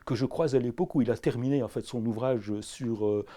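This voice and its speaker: Belgian prof guy, mellow low-key voice, lots of euhs and restarts, talking to an interviewer. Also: a little fast. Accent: Belgian French. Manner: hesitant, many fillers and restarts. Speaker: anthropology professor. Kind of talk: filmed interview. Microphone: camera crew sound.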